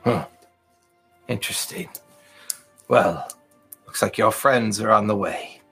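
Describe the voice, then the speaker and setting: Man doing a curt, gruff shark warrior. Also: lowish voice, slow, sharp tone, faint music behind, pitched below the performer's own voice, heavily acted. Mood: dry. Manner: curt, clipped orders.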